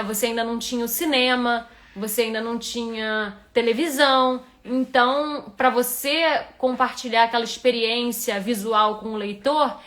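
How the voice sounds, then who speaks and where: In a slightly bright voice on the high side, a woman with a Rio de Janeiro Portuguese accent critiques a reader's manuscript live. As a writing instructor, she thinks aloud and keeps restarting.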